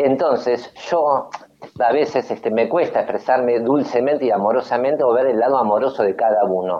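A man speaks at a moderate pace with a medium pitch and ordinary pitch variation. His loudness stays very even throughout. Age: 50s. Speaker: regular commentator. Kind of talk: opinionated radio chat. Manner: animated.

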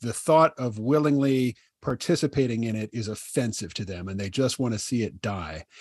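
A man with a plain, everyday voice talks at a moderate pace with lively intonation. The sound is dry and close with no echo, over a quiet background. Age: 50s. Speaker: podcast host and cartoonist. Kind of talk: casual chat.

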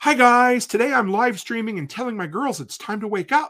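A man in a put-on character voice speaks at a moderate pace with an extremely high pitch, lively intonation and big swings in loudness. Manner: fake cheerful, exaggerated, mocking.

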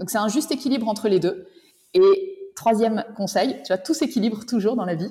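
Somewhat breathy and dark, mellow in tone, a woman talks at a fairly quick pace in a fairly high pitch with very wide pitch swings. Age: 30s. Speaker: yoga teacher and former lawyer. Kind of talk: interview conversation. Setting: studio. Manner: hesitant, many fillers.

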